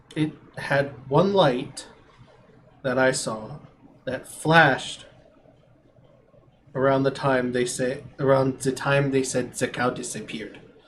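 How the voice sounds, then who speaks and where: A strained, put-on German-accented character voice from a man, medium in pitch, fairly slow, with long, frequent pauses. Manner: effortful, strained accent.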